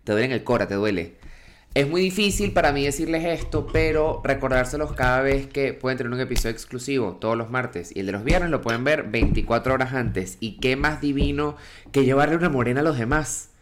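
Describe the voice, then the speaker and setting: A man with a Venezuelan accent co-hosting a podcast, telling stories in an expressive, casual way and swearing freely. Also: medium pitch, fairly quick, slight background noise. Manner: expressive storyteller, swears casually, dramatic mock-pleading. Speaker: podcast co-host. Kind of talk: casual chat.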